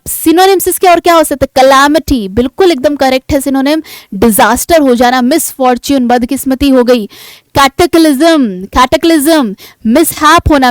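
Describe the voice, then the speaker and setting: High-voiced Indian woman teaching vocabulary. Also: no room sound. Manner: asks questions then answers them herself; reads English definitions slowly and deliberately. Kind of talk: classroom lecture.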